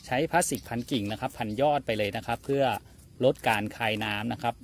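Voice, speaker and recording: Quick, polite man demonstrating outdoors. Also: mid-range voice, creaky, a little hiss or hum. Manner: polite, steady instructional delivery. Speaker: farm channel host. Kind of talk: gardening demonstration. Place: outdoor plant nursery.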